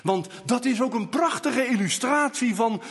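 A man preaching a sermon in slow, emphatic delivery, now and then rising to loud calls. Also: very high voice, lively intonation, husky, in a large hall.

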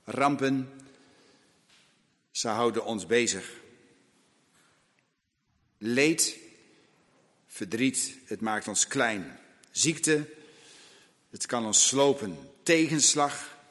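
A man preaching a sermon, emphatic and repetitive, with long dramatic pauses between words. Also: mid-range voice, expressive, a bit bright, long reverb tail.

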